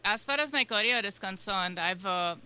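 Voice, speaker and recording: A woman's voice: medium pitch, animated, normal speed, pushed and bright, clean tone. A woman from India, a guest on a radio show, talking casually and rambling with many fillers. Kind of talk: casual interview chat. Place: radio studio.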